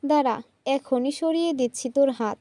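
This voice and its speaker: A woman's voice: high-pitched, normal speed, warm tone, dry recording, natural voice. A woman playing a cruel, sneering aunt. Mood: spiteful. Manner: sneering, scolding. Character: cruel middle-aged aunt, spiteful and harsh.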